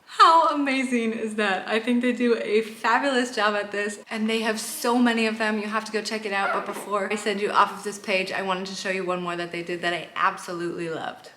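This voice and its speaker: A woman's voice: medium pitch, fairly even intonation, fairly quick, few pauses, background noise. A woman hosting a travel vlog in an enthusiastic explainer style. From Canada. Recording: roomy, echoing sound.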